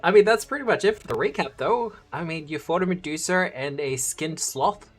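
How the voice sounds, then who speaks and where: A man's voice: on the high side, lively intonation, fairly quick, faint music behind. A man as game master, recapping the last tabletop session in a chatty way with laughing asides.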